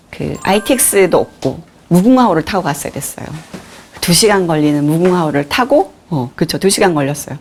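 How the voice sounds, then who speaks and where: A woman's voice: medium pitch, gravelly, slight background noise. A woman in her forties, a lecturer, telling her own story candidly in a talk and acting out the voices she quotes. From Korea. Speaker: lecturer on nonviolent communication. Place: lecture hall.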